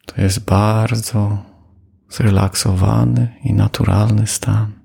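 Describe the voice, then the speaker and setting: A man guiding a loving-kindness meditation, speaking calmly with long pauses. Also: on the low side, creaky, husky. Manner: slow, calm, with long pauses. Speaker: meditation teacher. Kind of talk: guided metta meditation.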